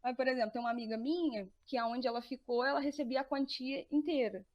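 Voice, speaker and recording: A woman's voice: high-pitched, fairly even intonation, fast, lo-fi sound. A young woman with a Brazilian Portuguese accent, a podcast guest chatting casually, laughing often and restarting her sentences. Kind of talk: casual interview chat.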